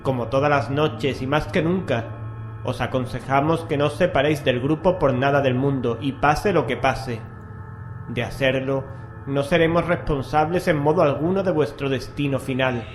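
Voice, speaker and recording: A man's voice: medium pitch, normal speed. A man with a Castilian Spanish accent hosting and narrating a scripted horror radio show in an ominous, theatrical manner. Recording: roomy echo, music bed. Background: music.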